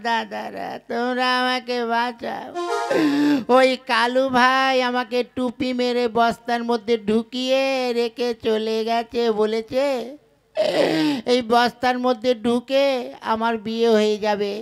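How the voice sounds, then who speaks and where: A man voicing a gullible young bachelor desperate to marry, plaintive and drawn-out, in a comic puppet play. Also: very high-pitched, little pitch movement, vocal fry, clear, resonant tone, faint music behind, heavily acted.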